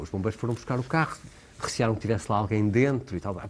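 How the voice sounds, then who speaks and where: A man speaks at a medium pitch. The recording is very clean with a silent background. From Portugal. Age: 60s. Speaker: historian and novelist. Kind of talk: TV interview.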